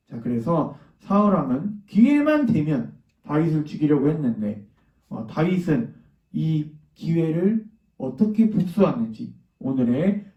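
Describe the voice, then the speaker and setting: A man preacher telling a Bible story to children in a gentle, lively storytelling way. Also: on the high side, slightly rough, no echo, muffled recording.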